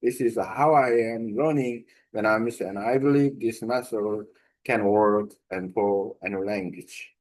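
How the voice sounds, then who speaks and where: A man with a Korean accent, a native Korean speaker, reading a prepared text aloud slowly and deliberately, pausing and correcting himself as he shares his language-learning method. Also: on the low side, a little mellow, low-quality recording. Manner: slow, deliberate reading with pauses and self-corrections.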